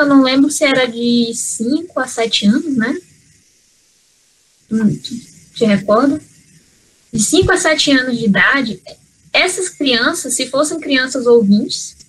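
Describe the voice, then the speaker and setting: A woman from Brazil speaking on an online panel over a video call, earnest and halting, with many fillers and restarts. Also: a little high, fairly bright tone, poor audio. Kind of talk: spontaneous talk in an online panel.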